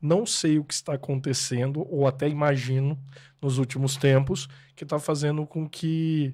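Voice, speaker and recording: In a very clean recording with a silent background, a man with a plain, everyday voice speaks fairly slowly at a fairly high pitch with fairly even intonation. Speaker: historian. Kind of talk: panel discussion.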